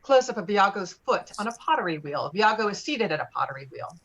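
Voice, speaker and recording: A woman's voice: mid-range voice, very animated, fairly quick, fairly bright tone, lo-fi sound. A woman reading screenplay directions aloud at a table read in clipped, descriptive phrases. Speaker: stage directions reader.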